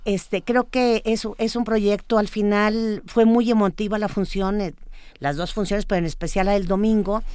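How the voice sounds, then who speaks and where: A woman interviewing a guest, speaking haltingly and with enthusiasm. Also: mid-range voice, smooth, no room sound, studio quality. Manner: halting, many fillers and restarts, enthusiastic. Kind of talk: interview, hesitant chat.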